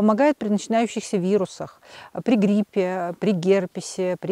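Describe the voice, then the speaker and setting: With an ordinary speaking voice at a medium pitch, a woman talks at a moderate pace with ordinary pitch variation in a dry, close sound with no echo on a very clean recording with a silent background. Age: 50s. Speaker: herbalist and pharmacist. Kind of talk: tutorial.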